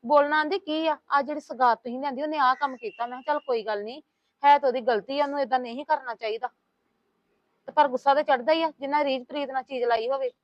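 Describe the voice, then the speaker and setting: A woman's voice: high voice, fairly even intonation, fast talker, no echo, close to an everyday voice. A woman playing a talkative, complaining housewife in a family web drama. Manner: complaining, gossiping, soothing. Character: talkative scheming woman, middle-aged housewife. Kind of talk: web series acting. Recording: dull lo-fi sound.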